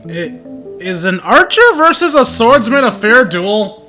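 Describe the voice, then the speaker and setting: Casting: male gamer, higher voice, unhurried casual playthrough commentary, playful, faint game music behind. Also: very animated, sharp tone. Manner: playful, reacting aloud. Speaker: video game streamer.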